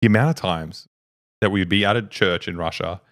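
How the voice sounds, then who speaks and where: A man's voice: low-pitched, fairly quick, a bit bright. A male streamer co-host in casual livestream chat, telling loose, sweary, rambling stories.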